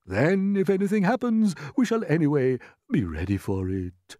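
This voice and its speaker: A wise old grasshopper from a storybook, voiced by a man reading aloud. He speaks in a measured, fatherly way, close to the reader's own pitch. The sound is dry and close. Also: big pitch swings, warm tone, dry recording. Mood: firm.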